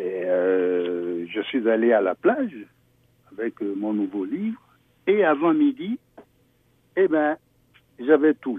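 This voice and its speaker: Very slow speech from a man, broken by long, frequent pauses. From Togo. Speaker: writer. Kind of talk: interview. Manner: halting.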